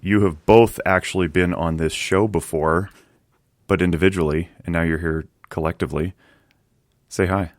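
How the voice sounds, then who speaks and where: A man's voice: low-pitched, steady tone, normal speed, no room sound, studio quality. A man hosting a podcast interview, chatty and rambling, laughing easily as he talks. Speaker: podcast host. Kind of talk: casual interview chat.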